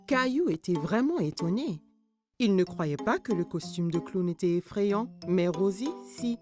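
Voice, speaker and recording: A woman narrating a children's cartoon story in a gentle, expressive storytelling manner. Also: fairly low pitch, a little slow, over music.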